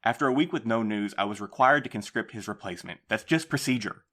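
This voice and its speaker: A defensive, guarded postmaster, voiced by a man in an audio drama. He speaks in a low, measured voice and tries to placate the people questioning him. His delivery stays calm and careful. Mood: earnest.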